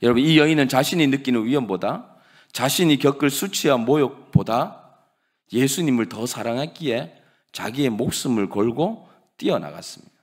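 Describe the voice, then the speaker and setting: A man's voice: mid-range voice, animated, normal speed. Dramatic male pastor preaching. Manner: dramatic preaching that swings from loud to hushed. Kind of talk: sermon.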